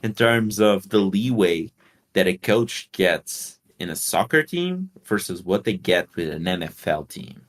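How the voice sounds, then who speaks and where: A man's voice: low-pitched, animated, a little slow. A man from Portugal co-hosting a casual sports podcast, talking bluntly with swearing and rambling explanations. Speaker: podcast co-host.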